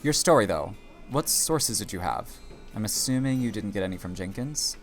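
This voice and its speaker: An actor playing a teasing, supportive small-town barista in an audio drama, expressive and playful. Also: deep voice, normal speed, soft background music. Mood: curious, wry. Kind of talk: naturalistic audio drama acting.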